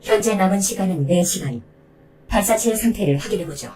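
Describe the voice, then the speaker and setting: Mellow, composed female android, played by an actress. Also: medium pitch, animated, a little hiss or hum, close to an everyday voice, poor audio. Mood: calm, formal. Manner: formal, measured, unemotional. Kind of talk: Korean audio drama acting.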